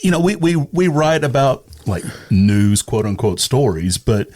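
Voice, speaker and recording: A man's voice: medium pitch, very animated, measured pace, a little mellow. A middle-aged or older man from East Texas, a radio personality answering casually as a guest in hesitant, thoughtful phrases. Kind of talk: casual interview chat.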